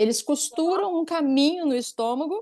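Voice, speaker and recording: Her tone animated, a woman talks with very wide pitch swings. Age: 40s. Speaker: lawyer. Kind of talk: interview.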